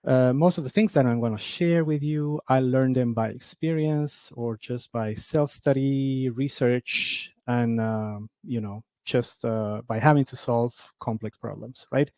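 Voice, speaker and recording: A man's voice: medium pitch, measured pace, few pauses, darkish tone, dry recording. A man from Ecuador giving a conference talk on game audio, speaking with many fillers and restarts.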